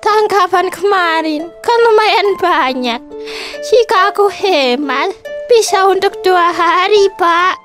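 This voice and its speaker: A woman voicing an elderly fisherman's wife in a cartoon story; she sounds gentle, caring and motherly, and talks softly. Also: very high voice, animated, takes it slowly, over music, exaggerated voice.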